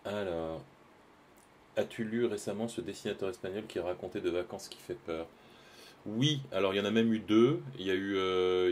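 A man's voice: low voice, slight background noise. A man, chatting casually and hesitantly with his stream viewers while he draws live, full of fillers and restarts.

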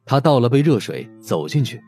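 A man's voice: medium pitch, big pitch swings, a little fast, warm tone. A man narrating a scripted audio drama as a dramatic storyteller. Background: background music.

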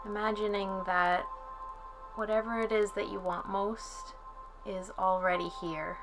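Very slow, calm woman guiding meditation. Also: medium pitch. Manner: calm, soothing, with long pauses. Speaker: yoga nidra instructor. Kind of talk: guided relaxation meditation. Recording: soft music under the voice. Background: music.

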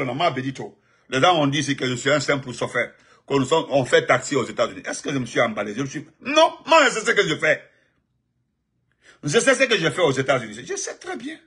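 A man delivering a heated, mocking political monologue, given to sudden high outbursts and laughter. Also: sharp tone, breathy edge. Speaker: political commentator. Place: United States.

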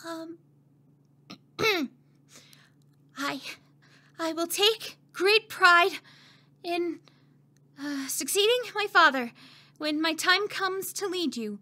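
A woman voicing a timid young prince and anxious heir for an audition, halting and stammering through fillers and restarts. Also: very high-pitched, pushed and bright, full character voice. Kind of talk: voice acting audition.

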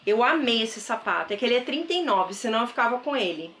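Speaking fast and expressively with a fairly high, fairly bright voice, a woman in her thirties shows off her thrift haul to viewers with enthusiasm. She has a Brazilian Portuguese accent and records indoors in a bedroom with a wardrobe on a close camera mic.

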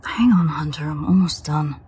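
A woman playing a foul-mouthed, teasing but protective female vampire in an audio drama, with a hushed, breathy, near-whispered delivery. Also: low voice, moderate pace, lightly acted. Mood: coaxing, impatient. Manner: sardonic, swearing, coaxing. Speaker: audio roleplay voice actor. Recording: faint ambient noise, rain.

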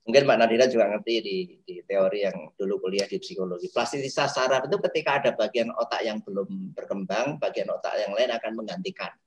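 A man's voice: lowish voice, fast, few pauses, poor audio. A man speaking as an autism therapist in an interview, explaining his work like a storyteller who acts out quotes and mixes in English phrases. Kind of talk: talk show interview.

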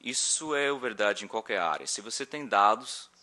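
Born in Rio and raised in Chicago, a deep-voiced man with an American accent gives a conference presentation in a conference hall through a table microphone. His tone is bright and forceful with lively intonation, yet he's halting, searching for words, and self-deprecating.

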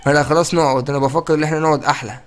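Man, Egyptian Arabic accent, young adult, gaming commentary, rapid, slightly high voice. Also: fairly even intonation. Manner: playful, chatty, addresses viewers directly. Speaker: gaming YouTuber. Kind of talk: casual gameplay commentary.

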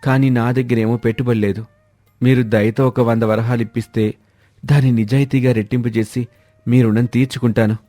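A man playing a scheming village husband who poses as a holy man, smooth-talking and persuasive, in a storybook dialogue. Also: mid-range voice, level tone, fairly quick, dark tone, close to an everyday voice. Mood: sly, persuasive. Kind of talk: scripted animated moral-story dialogue. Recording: background music under the voice.

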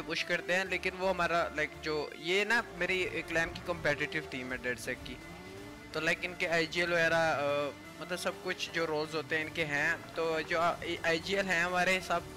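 A man's voice: fairly high pitch, steady tone, moderate pace, poor audio. A man giving casual gameplay commentary in a voice-over. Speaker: gaming video creator. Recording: music bed under voice. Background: background music.

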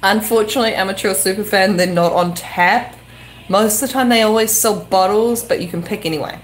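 A woman's voice: medium pitch, fairly quick. New Zealand woman reading chat aloud. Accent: New Zealand with some English influence. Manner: reads out viewer comments, stumbling over foreign names. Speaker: co-host reading viewer chat. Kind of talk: casual live-stream chat. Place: same small room, off camera behind the camera.

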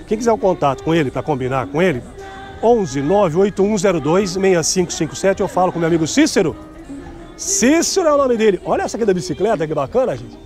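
A high, lively middle-aged man walks an outdoor night market with a handheld phone camera. He talks in a chatty, promotional way, quizzing vendors on prices. Faint music plays behind him. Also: quick pace. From Brazil. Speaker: shopping vlogger touring a street market. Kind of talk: upbeat sales walkthrough.

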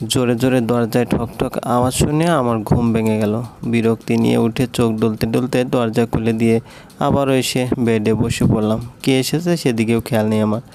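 A man narrating a romantic story aloud in a steady, even storytelling manner. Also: medium pitch, moderate pace, slight background noise.

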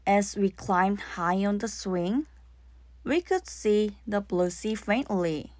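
A woman's voice: mid-range voice, slow, a little mellow. A woman reading scripted narration for a children's audiobook. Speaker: storybook narrator.

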